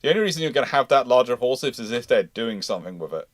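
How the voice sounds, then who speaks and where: Guy hosting live history q&a, rambly, keeps rephrasing himself, dry close mic sound, medium pitch. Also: sing-song, racing, no room sound. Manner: rambling, often restating and self-correcting mid-sentence. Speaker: host of a live naval history Q&A. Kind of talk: live history discussion, answering questions.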